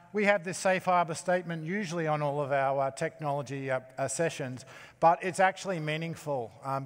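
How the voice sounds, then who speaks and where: A man giving a conference keynote as technology chief, talking in a halting way with many fillers and restarts. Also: a little high. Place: large conference hall. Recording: long hall reverb.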